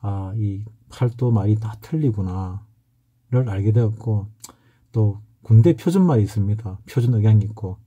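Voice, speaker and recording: A middle-aged man from the Gyeongsang region teaches in a casual, anecdotal way, with a strong regional accent. He often pauses and restarts as he wanders through stories. His voice is dark and mellow, with a husky edge. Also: lowish voice, highs cut off. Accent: Gyeongsang Korean. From Gyeongsang region, South Korea. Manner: rambling, anecdotal, frequent hesitations. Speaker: saju fortune-telling instructor. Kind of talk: casual lecture.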